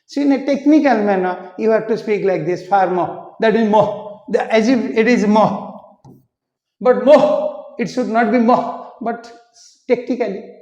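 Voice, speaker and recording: A man teaching an English pronunciation lesson, repeating words slowly to show how they should sound. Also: sits high, mellow. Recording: echoey room, muffled lo-fi sound.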